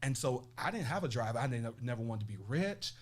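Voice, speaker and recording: A man's voice: medium pitch, animated, a little fast. Earnest man, reflective coach. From Nashville, Tennessee. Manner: earnest, reflective, frequent restarts. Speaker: life coach guest. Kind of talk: casual interview conversation.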